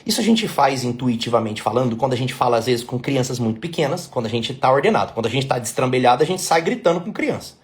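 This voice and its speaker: A man's voice: medium pitch, lively intonation, fast talker, few pauses. A middle-aged Brazilian man, a couples therapist, giving a blunt, emphatic lesson to women, repeating his key points and checking that they follow. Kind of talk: talking-head lesson.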